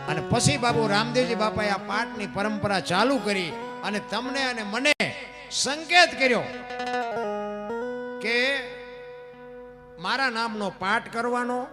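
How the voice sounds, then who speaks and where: A man's voice: sits high, unhurried, pauses often. A man telling a devotional folk story in an emphatic, sing-song way at a live stage event. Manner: emphatic, sing-song, addresses listeners as bapu. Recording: guitar music behind voice.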